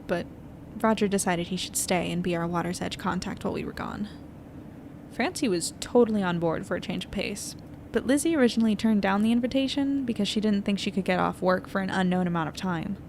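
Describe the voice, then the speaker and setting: A woman playing an anxious, weary young newspaper editor in an audio drama, confiding and hesitant as she thinks out loud. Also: mid-range voice, close to an everyday voice. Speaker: lead narrator of an audio fiction podcast. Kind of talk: intimate naturalistic audio drama monologue. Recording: noisy airplane cabin ambience.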